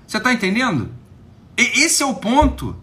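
A man's voice: very high-pitched, huge pitch swings, normal speed, bright, forceful tone. A man with a Brazilian accent hosting a live stream, talking casually and emphatically, swearing often and asking again and again if you get it.

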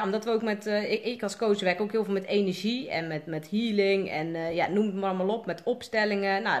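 Dutch-accented woman coach, loose rambling live-chat delivery, filler-heavy. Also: mid-range voice. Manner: chatty, rambling, many fillers. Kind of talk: casual live video chat.

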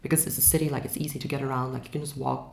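Interview guest: young woman from Dubai, relaxed and frank, talks fast, roomy sound with faint noise. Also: extremely low pitch, vocal fry. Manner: relaxed, frank, many fillers. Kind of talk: casual interview chat.

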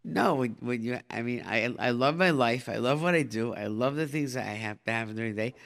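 A middle-aged radio host takes calls live and gives informal advice, repeating short phrases and peppering them with Hebrew and Yiddish. He speaks briskly in a mid-range voice that is fairly bright, with some vocal fry.

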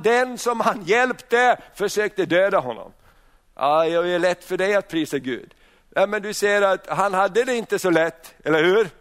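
A man with a notably high-pitched voice delivers a sermon. He talks in loose bursts, stumbling over and repeating words as he restarts sentences, and often throws rhetorical questions at his listeners. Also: fairly bright tone, smooth. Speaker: preacher.

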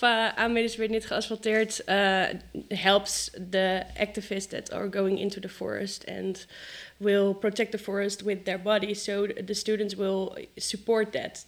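Dutch-accented woman, 20s, student guest, hesitant and flat. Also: medium pitch. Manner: hesitant, many fillers.

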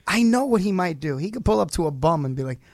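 A male radio host, hoarse from losing his voice, hyping up his show with joking, showy banter in a studio. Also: high-pitched, expressive, a little mellow, dry recording. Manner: showy, joking, rapid riffing introductions. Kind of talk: playful, hyped radio banter. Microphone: studio microphone.

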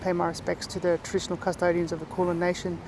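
Man, Aboriginal Australian accent, high voice, narrow intonation, casual explanatory interview style, pauses mid-thought, some outdoor noise behind. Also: monotone. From Far East Gippsland, Victoria, Australia. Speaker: interview guest. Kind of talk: reflective casual interview talk.

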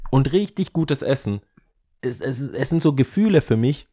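A man, a guest on a podcast, telling a casual story in an animated way and dropping English slang into his talk. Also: medium pitch, normal speed.

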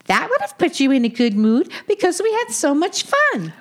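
A gushing, eager little tortoise from a children's audio story, played by a woman. The voice sits high and swings widely up and down as it exclaims and chatters. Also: wildly swooping pitch, moderate pace. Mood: eager, playful. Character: excitable, chatty young tortoise named Rainbow.

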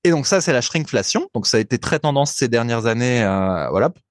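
A man's voice: medium pitch, animated, brisk, dry recording, clean studio sound. A man co-hosting a casual podcast, explaining things at length in a chatty way and laughing easily. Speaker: podcast co-host. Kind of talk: casual chat.

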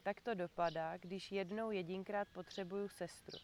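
A woman's voice: mid-range voice, steady tone, a little mellow, a little hiss or hum, lightly acted. A woman reading a small, fierce, cross girl creature. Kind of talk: reading aloud to children. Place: outdoor community garden.

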